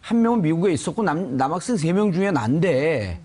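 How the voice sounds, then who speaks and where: A man's voice: a little high, sing-song, fairly quick, darkish tone, breathy edge. A man hosting a political news panel, putting pointed questions to the guests. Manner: probing, poses pointed questions. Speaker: host.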